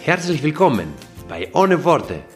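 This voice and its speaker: A man co-hosting a podcast and reading his part of a scripted show intro in an animated way. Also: a little high, a little slow. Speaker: podcast co-host. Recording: voice over background music.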